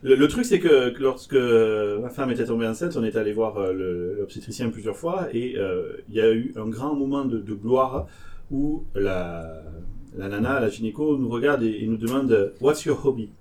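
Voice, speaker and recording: A man's voice: lowish voice, normal speed, far from the mic. A man with a northern French accent telling funny stories in a casual chat among friends. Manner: animated joking storyteller.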